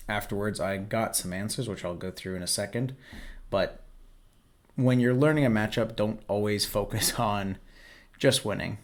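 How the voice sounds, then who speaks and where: A man with a somewhat low voice that sounds hoarse and worn out, as if strained from shouting. He talks in a relaxed, explanatory way, coaching the listener while he reviews game footage. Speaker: host. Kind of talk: casual commentary over gameplay footage.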